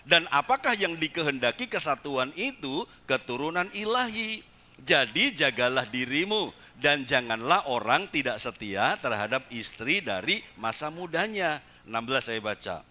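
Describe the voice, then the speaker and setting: A man preaching a sermon as pastor in a church service, animated, dropping English words in and urging the congregation to repeat after him. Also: a little high. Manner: urges the congregation to repeat phrases.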